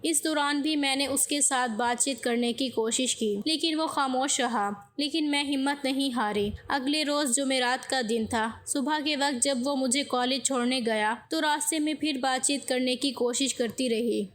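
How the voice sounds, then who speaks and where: A woman with a high voice narrates a scripted first-person story. She reads in a steady, even way, keeping the telling smooth from line to line. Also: few pauses.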